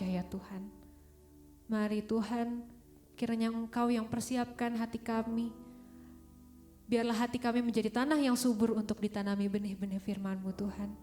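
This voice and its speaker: Mellow woman praying over soft music. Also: a little high. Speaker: worship leader. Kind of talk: earnest congregational prayer. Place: church service. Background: musical instrument playing.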